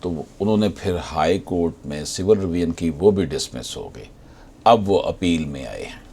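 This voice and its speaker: A man with a Pakistani accent giving a legal lecture as an advocate, deliberately reading out passages and then explaining them. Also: deep voice, animated, gravelly, warm tone, slightly rough. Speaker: advocate explaining case law.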